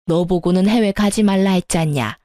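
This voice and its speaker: A woman's voice: fairly low pitch, normal speed, mellow, dry recording, clean studio sound, lightly acted. A woman voicing a pushy, domineering older mother-in-law who nags and scoffs. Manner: nagging, domineering.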